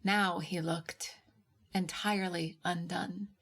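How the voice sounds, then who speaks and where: A woman narrating a first-person literary short story in a measured, expressive way with deliberate pauses. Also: fairly low pitch.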